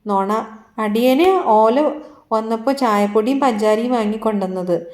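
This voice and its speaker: A woman's voice: on the high side, normal speed, a little mellow, echoey room, natural voice. A woman doing a humble male farm servant. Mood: deferential.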